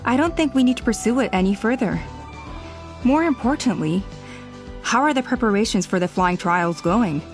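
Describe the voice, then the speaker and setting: An actress playing a calm, authoritative tribal elder in a video game, poised and businesslike. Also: female voice, on the high side, moderate pace, soft background music, natural voice.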